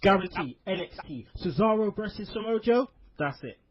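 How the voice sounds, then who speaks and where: A man with a raspy voice hosting a casual wrestling podcast, loose and swearing, repeating his punchlines. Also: high voice, lively intonation, moderate pace, lo-fi sound, a crowd in the background. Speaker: podcast host.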